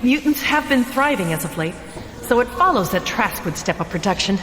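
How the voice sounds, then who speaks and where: A woman's voice: medium pitch, sing-song, brisk, fairly bright tone. Echoey female mentor. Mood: concerned. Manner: reassuring, guiding, earnest. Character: kind, experienced female psychic mentor guiding a recruit. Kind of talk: audio drama acting. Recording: echoey, reverberant, noisy.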